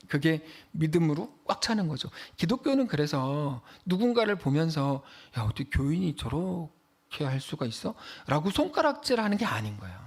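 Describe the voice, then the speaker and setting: Animated Korean pastor preaching, high lively voice. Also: male voice, vocal fry. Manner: animated preaching, acting out quoted voices, dropping to a hush for emphasis. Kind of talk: sermon.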